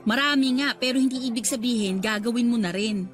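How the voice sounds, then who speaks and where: An actress playing an exasperated, protective best friend in a radio drama, with a Filipino accent and scolding, probing questions. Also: female voice, on the high side, fairly quick, close to an everyday voice. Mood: worried scolding. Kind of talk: Tagalog radio drama acting. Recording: music faintly underneath.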